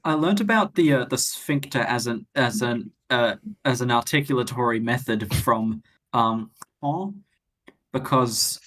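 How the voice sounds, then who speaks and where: A man with a mid-pitched voice talks casually, as if among friends. He tells anecdotes in a dry, wry way. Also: unhurried, fairly bright tone, low-quality recording. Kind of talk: casual chat and anecdote telling.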